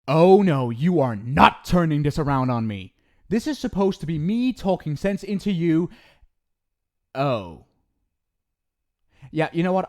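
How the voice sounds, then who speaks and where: A man's voice: fairly high pitch, darkish tone. A man voicing an exasperated male ghost soulmate from the afterlife who swears while scolding and stumbles over restarts when he explains himself, in an ASMR roleplay.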